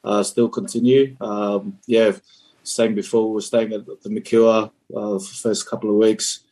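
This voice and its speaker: A man in his twenties from Fiji, answering interview questions in a relaxed, hesitant way with many fillers. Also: on the low side, moderate pace, rough recording. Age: 20s. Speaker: rugby league player, guest.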